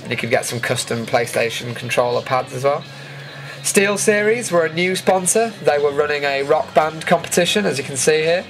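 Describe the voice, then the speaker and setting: A man's voice: on the high side, expressive, normal speed. A man with a British accent giving a chatty, informal voice-over commentary as a vlogger recapping an event. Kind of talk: casual voice-over commentary on footage.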